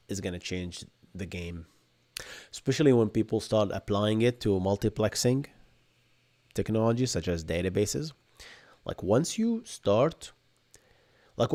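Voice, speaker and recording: A man in his thirties from Bahrain with an Arabic accent, hosting a live-streamed tech Q&A from a home room and explaining things in energetic bursts, often tagging on "right?". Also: lowish voice. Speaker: podcast host. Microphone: desk microphone in front.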